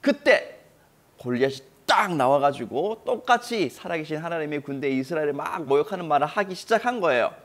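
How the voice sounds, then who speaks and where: Brief: animated male children's pastor, slightly high voice with a very lively tone. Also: fast, few pauses. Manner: animated storytelling, addressing children. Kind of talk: children's sermon storytelling.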